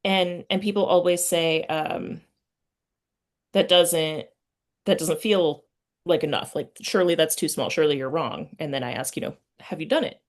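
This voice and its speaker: A woman hosting a casual interview, speaking thoughtfully and often pausing mid-sentence to find her words. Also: low voice. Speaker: interviewer and host.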